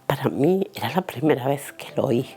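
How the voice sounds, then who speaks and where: Middle-aged woman with a gravelly voice, recounting her testimony vividly and playing every voice in it. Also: extremely low pitch, animated, fairly quick, mellow. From Italy and Spain. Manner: vivid, acts out dialogue and inner thoughts. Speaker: interviewee giving a faith testimony. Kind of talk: personal storytelling.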